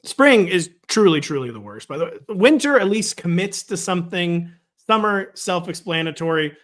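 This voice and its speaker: A man co-hosting a casual sports chat, wry and joking, talking quickly and loosely. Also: sits high, lively intonation, a bit bright. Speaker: podcast co-host. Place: home in the Midwest.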